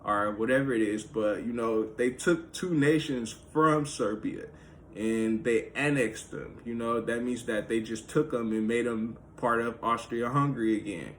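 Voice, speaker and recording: A man's voice: medium pitch, unhurried, slight background noise. A man talking through history in a loose, casual monologue, full of "like" and "you know" fillers. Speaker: history video host.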